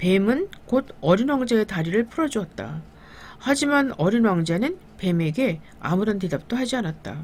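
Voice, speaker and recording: A very clean recording with a silent background, at a fairly slow pace. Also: woman. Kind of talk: audiobook reading, bedtime story.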